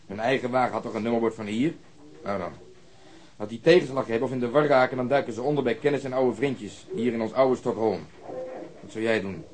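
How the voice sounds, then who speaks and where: A streetwise, hard-boiled male detective, played by an actor in a radio drama. He rattles his lines off in a medium-pitched voice, blunt, coarse and sure of himself. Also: fairly quick, a little mellow, natural voice. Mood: cocksure. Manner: coarse, slangy, cocksure. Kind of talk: radio play dialogue.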